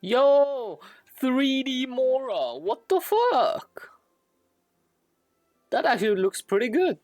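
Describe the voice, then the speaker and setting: A woman's voice: sits high, big pitch swings, slow, a little mellow, no echo, faint music behind. A woman live-streaming a game with casual, blunt, offhand reactions into a close mic.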